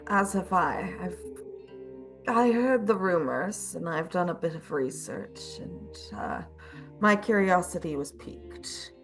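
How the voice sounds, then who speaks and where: Woman voicing a calm, soft-spoken scholarly man. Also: on the low side, takes it slowly, faint music behind. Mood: measured.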